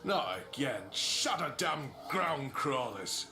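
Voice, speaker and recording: Game bit part: exasperated grumbling worker, mid-pitched, echoing space, music behind. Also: male voice, sing-song, slow pace. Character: grumbling, irritated male worker or guard.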